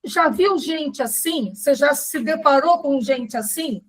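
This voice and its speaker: A high-voiced woman co-hosts a casual live sales class. She draws her audience in with questions and explains her points in an easy, conversational way. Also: animated, a little slow, rough recording. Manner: engaging, asks the audience questions. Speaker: co-host, sales trainer.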